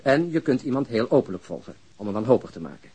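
Casting: principled, blunt detective for crime radio play, probing and deliberate, slightly rough-edged voice. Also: male voice, mid-range voice, sing-song, a little mellow. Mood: serious, probing. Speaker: actor in a radio drama. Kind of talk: Dutch crime audio drama acting.

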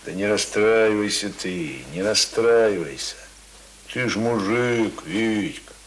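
An actor in a radio drama playing a folksy, gruffly kind village uncle, colloquial and protective, on a hissy old recording. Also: male voice, fairly low pitch, rough recording. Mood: reassuring, firm. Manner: folksy, colloquial, halting muttering and exhorting.

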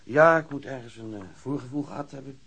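A man's voice: mid-range voice, gravelly, a bit bright, slightly rough. An actor playing a wounded, subdued patrol policeman who speaks hesitantly in a radio drama. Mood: shaken recounting. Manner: hesitant, halting recollection.

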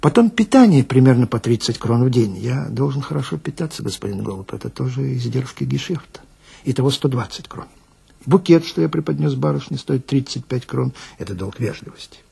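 Man voicing a husky, prim gentleman swindler. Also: medium pitch, animated, brisk, exaggerated voice. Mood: fussy, precise. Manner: pleading, meticulous, dignified. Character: prim, polite, middle-aged swindler, fussy about expenses.

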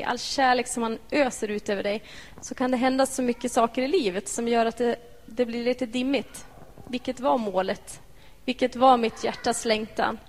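Reflective woman speaking in an echoey church. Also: on the high side. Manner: reflective, gentle, asks the audience questions. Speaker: devotional speaker. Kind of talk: personal devotional talk to a congregation. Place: church hall.

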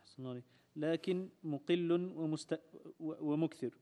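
A man reading a classical religious text aloud for a teacher in a steady, formal recitation. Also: on the high side, normal speed, big-room sound.

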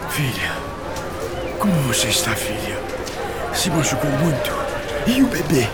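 An actor playing a badly injured Brazilian grandfather in a radio soap, halting, weak and emotional as he worries tenderly for his family. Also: medium pitch, big pitch swings, over loud music. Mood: anxious, pained. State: weak, in pain. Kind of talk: radio soap opera acting.

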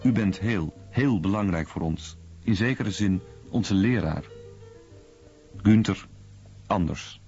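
A deep, mellow-voiced male letter writer reads formally and earnestly, as in a radio drama. Faint guitar music runs behind him. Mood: earnest, admiring. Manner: formal, measured. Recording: muffled radio recording over guitar music.

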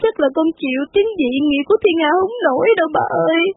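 A woman's voice: lively intonation, quick pace, dry recording. A woman voicing a humble young servant girl who pleads meekly and tearfully. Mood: pleading. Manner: meek, pleading, higher voice. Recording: tinny phone-like, dry.

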